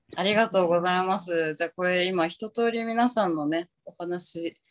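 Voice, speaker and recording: A woman with an unremarkable speaking voice talks at a fairly slow pace, her medium pitch held in fairly even intonation, in a dry, close sound with no echo. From Japan, Aichi. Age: 20s. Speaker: podcast host. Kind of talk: casual chat. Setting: live recording with audience. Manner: laughing often.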